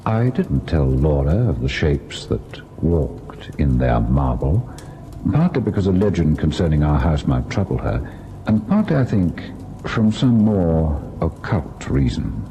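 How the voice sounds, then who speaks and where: A deep-voiced, earnest gentleman in a vintage radio ghost drama. His delivery swings expressively with a dark, soft tone, over a noisy old recording. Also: big pitch swings, unhurried, muffled recording, exaggerated voice. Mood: reflective. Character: educated, earnest husband and painter, narrating a ghost tale. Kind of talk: old-time radio narration and dramatic acting.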